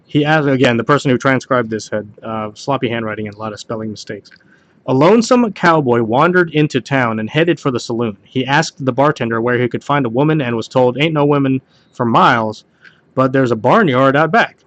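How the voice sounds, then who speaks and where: A man's voice: mid-range voice, fairly quick, a bit bright, dull audio. A man reads party jokes aloud in a casual way, hosting a home video and sometimes stumbling over the text and rereading lines.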